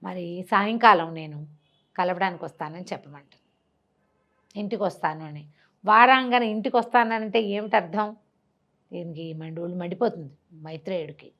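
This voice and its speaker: A woman's voice: fairly low pitch, normal speed, pauses often, muffled recording. A woman retells a classical tale conversationally, acting out the dialogue and posing rhetorical questions as she goes. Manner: acts out characters' dialogue, asks rhetorical questions. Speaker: storyteller.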